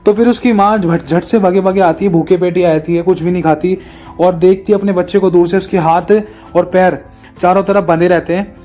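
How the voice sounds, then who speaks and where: A male preacher tells a moral story with an earnest, repetitive delivery. His voice sits high with a soft, mellow tone, and faint music plays behind him. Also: fairly even intonation, normal speed. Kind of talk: sermon with storytelling.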